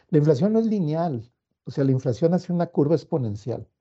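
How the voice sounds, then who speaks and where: A somewhat breathy man with lively intonation. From Mexico, San Luis Potosí. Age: 60s. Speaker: economics professor. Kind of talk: interview.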